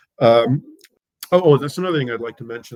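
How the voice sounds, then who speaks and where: This is a man with a medium pitch. His intonation is lively. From Ohio, US (Lithuanian family). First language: Lithuanian. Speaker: former TV show host. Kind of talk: interview testimony. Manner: halting with fillers.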